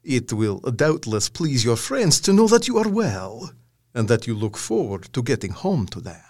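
Vampire count, audio drama, formal, imperious, veiled menace, highly varied intonation. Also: male voice, big pitch swings, moderate pace, darkish tone. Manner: formal, imperious, over-polite.

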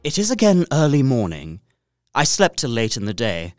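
A man's voice: mid-range voice, wildly swooping pitch, normal speed, no room sound, clean studio sound, faint music behind. An actor playing a polite, observant and uneasy young solicitor, narrating his journal earnestly and precisely in a gothic audio drama. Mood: composed, puzzled. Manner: precise, earnest, theatrical storytelling.

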